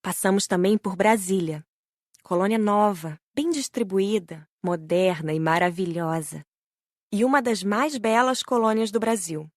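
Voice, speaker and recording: A woman with a Brazilian Portuguese accent reading a spiritual book aloud as a first-person narrator, gentle and admiring. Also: medium pitch, unhurried, no echo, studio quality. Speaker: audiobook narrator.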